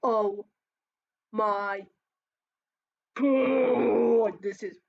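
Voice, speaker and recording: A man's voice: sits high, steady tone, drawn-out words, vocal fry, no echo, lo-fi sound. An Australian trans man with a feminine-sounding voice, ranting casually while reacting to memes, swearing often and rambling between sighs and laughs. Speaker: reaction video host.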